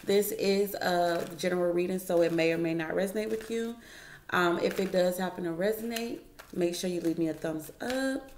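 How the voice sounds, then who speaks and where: At a wooden table in her home, a tarot reader gives a casual reading, chatting with her viewers, calling them "y'all," and musing aloud over each card. Her voice sits on the low side with a darkish tone and moderate pace. The room is echoey, with slight background noise.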